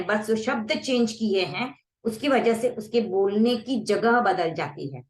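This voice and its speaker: A woman teaching a prayer recitation, explaining it and then saying it slowly word by word so listeners can repeat. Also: mid-range voice, fairly bright tone, roomy sound. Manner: slow, deliberate word-by-word recitation with pauses for repeating.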